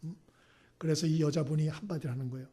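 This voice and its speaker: A male pastor giving a Sunday sermon. He asks the congregation questions and then answers them himself in soft, whispered repeats. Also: fairly high pitch, fairly even intonation, fast, slightly rough.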